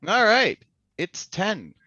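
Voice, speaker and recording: A man from Mexico hosting a spoken English class as a language trainer, giving deliberate, instructive prompts. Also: high-pitched, huge pitch swings, pushed and bright, no room sound, dull audio. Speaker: language trainer, podcast host.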